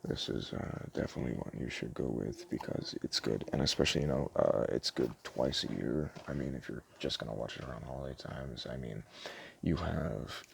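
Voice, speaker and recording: A soft-spoken man doing a casual ASMR roleplay as a store clerk, chatting in a hesitant, rambling way. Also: extremely low pitch, moderate pace, vocal fry, a little hiss or hum.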